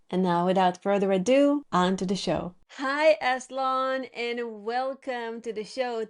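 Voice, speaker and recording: A woman's voice: on the high side, darkish tone. A woman speaking as a podcast host, introducing the episode and chatting with her guest. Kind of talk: podcast introduction and conversational interviewing.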